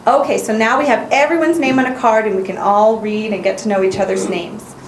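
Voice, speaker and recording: A woman teacher giving clear, encouraging instruction, in the style of a lesson. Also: medium pitch, steady tone, brisk. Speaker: English teacher. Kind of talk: instructional narration and classroom teaching. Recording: roomy echo, faint background noise.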